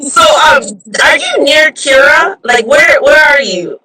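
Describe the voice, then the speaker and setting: A woman from Hawaii hosting a chatty live interview, bubbly and quick to laugh, on her phone. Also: sits high, lively intonation, raised voice, crowd noise. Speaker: show host. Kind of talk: casual live-stream interview. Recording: distant phone mic.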